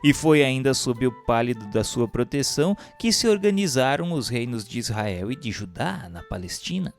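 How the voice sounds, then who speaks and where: A man's voice: mid-range voice, very animated, moderate pace, soft background music. A man with a Brazilian accent narrating a religious text in a solemn, formal, declamatory manner.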